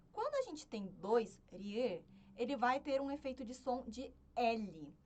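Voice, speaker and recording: A woman teaching an online language lesson, her fairly high voice rising and falling a great deal. She walks through each point patiently and keeps pausing to check that her students follow. She slows down to sound out example words. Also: a little mellow. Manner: explains step by step, often checking in with the class.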